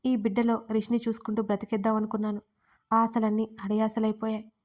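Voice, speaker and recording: A woman's voice: a little high, completely flat delivery, fast talker, a little mellow. A woman narrating a first-person audio story in an earnest, emotional way.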